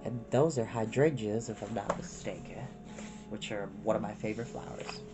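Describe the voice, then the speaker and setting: A woman reading a children's storybook aloud in an expressive narrating style. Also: very deep voice, normal speed, over music. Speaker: storytime reader.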